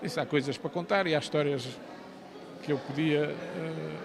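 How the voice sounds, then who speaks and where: A man's voice: fairly high pitch, fairly even intonation, gravelly. An older man with a European Portuguese accent, an author talking in an interview with many hesitations and restarts. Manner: halting, many fillers and restarts. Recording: outdoor crowd chatter behind.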